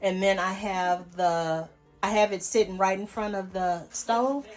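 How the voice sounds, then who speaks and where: This homesteading vlogger speaks in an unhurried, mid-range voice with fairly even intonation. Demonstrating home canning, she addresses viewers directly and explains each step in a relaxed, folksy way.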